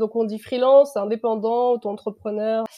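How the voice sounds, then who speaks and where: At a moderate pace, an unremarkable speaking voice carries on. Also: woman. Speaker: podcast host. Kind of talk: podcast interview.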